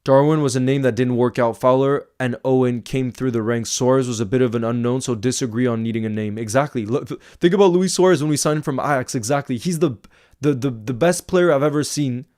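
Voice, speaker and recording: A man's voice: mid-range voice, brisk, a little mellow. A man with an American accent, of half French and half Icelandic origin, hosting a casual football livestream, reading viewer comments and repeating words for emphasis.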